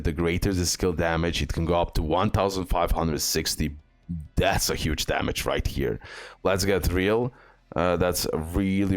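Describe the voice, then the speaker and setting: Brief: low-voiced male gaming host, casual reading of game stats with ums. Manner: reads skill text aloud with fillers and restarts. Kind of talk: game tier list commentary.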